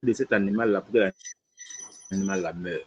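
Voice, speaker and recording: In dull, lo-fi audio, an imam answers questions in a low, husky voice at a moderate pace. He explains a religious teaching conversationally, lively and repetitive, circling back over points and frequently asking "tu vois."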